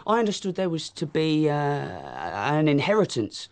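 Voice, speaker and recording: Jittery suck-up young con man, stutters a lot, bit high voice. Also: wildly swooping pitch, a little slow, vocal fry, heavily acted. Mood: fawning. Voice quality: stammering, obsequious. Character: nervous fawning young rogue man. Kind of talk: radio drama acting.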